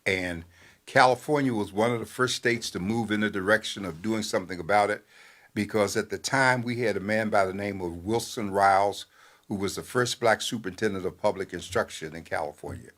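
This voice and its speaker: An older man, a newspaper editor, giving talk-show commentary in a measured, halting way with many fillers. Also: lowish voice, a bit bright.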